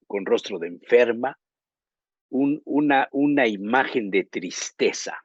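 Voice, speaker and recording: A Mexican journalist co-hosting a talk show, telling long anecdotes and often pausing to search for words. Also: male voice, lowish voice, breathy edge, dry recording, dull audio. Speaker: journalist co-host. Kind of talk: casual talk show chat.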